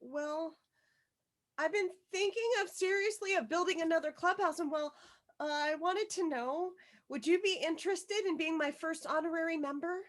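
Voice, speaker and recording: A woman's voice: very high-pitched, normal speed. A woman playing a blunt, insistent and awkward young outcast girl in a script table read. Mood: earnest, hesitant. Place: remote group reading over a call.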